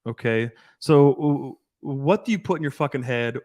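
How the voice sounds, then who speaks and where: A man's voice: medium pitch, moderate pace, a little mellow, no room sound. A man in his thirties, a dating coach, talking casually and at length on a podcast, swearing often and restarting his sentences. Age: 30s. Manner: rambling, profane, restarts often.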